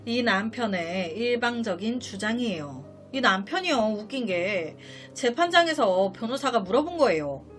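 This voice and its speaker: A woman storyteller with a fairly high, very lively voice narrates a dramatic real-life tale. She talks directly to her viewers in an indignant, outspoken way, with faint music running underneath. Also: moderate pace, hardly any pauses.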